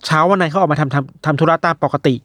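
Fast-talking young man telling stories. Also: a little high, no room sound, studio quality. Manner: animated retelling, acts out quoted voices. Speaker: podcast host telling news stories. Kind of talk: casual storytelling chat.

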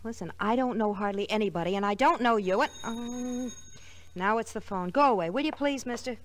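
A woman's voice: on the high side, brisk, slight background noise, natural voice. An actress playing a brusque young burlesque showgirl in 1940s radio drama, curt, defensive and evasive in her talk.

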